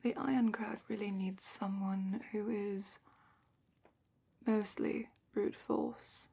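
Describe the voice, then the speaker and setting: A woman playing a calm, patient dragon keeper guiding a student, in a gently wry, soft whisper for a fantasy ASMR roleplay, close to the microphone. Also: medium pitch, slow, full character voice. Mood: gentle, considering. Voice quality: breathy whisper and soft-spoken murmur.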